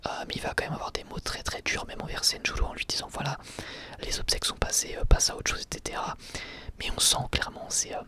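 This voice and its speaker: A man's voice: quick pace, pushed and bright. A man giving a whispered ASMR review of an episode, hesitant, with many fillers and restarts.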